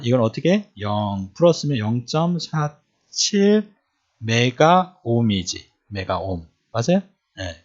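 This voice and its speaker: A man teaching electronics in a lecture style, often repeating points and quizzing the listeners with questions. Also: mid-range voice. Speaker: electronics instructor. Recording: dull lo-fi recording.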